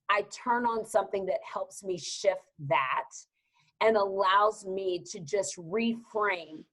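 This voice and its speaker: A woman from Texas with a Southern accent, speaking as a guest in a podcast interview with an energetic, emphatic, motivational way of talking. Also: mid-range voice, low-quality recording. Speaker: guest business advisor.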